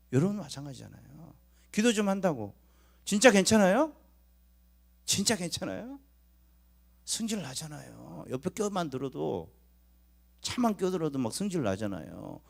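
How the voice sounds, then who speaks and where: Male pastor, high voice, super expressive, goes loud then quiet. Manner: animated, swinging between loud and hushed. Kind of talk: sermon.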